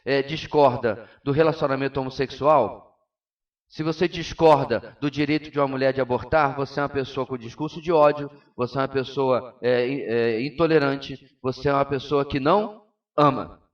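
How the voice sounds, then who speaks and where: A man's voice: mid-range voice, steady tone, moderate pace, far from the mic, dull audio. A man with a Brazilian Portuguese accent, a pastor teaching a Sunday school class, preaching emphatically and asking his congregation rhetorical questions.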